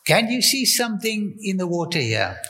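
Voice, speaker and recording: A man speaking English as a second language, giving a talk in short phrases and pausing for an interpreter, halting and full of enthusiasm. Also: high voice, very animated, pushed and bright. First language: not English. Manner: slow, halting English, stops for translation. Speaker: guest speaker on ancient Egypt. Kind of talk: lecture with live interpreter.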